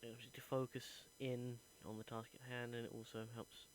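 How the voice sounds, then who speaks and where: Earnest young man, flat delivery. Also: mid-range voice, a little fast, slight background noise, low-quality recording. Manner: earnest, thinking aloud. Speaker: acting student. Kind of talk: reflective voice diary.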